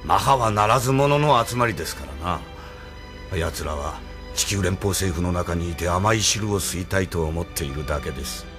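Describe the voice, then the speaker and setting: An earnest, proud rebel admiral. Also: male voice, deep voice, expressive, moderate pace, music in the background. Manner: polite, deferential yet proud. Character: loyal middle-aged male rebel admiral, earnest. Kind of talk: radio drama acting.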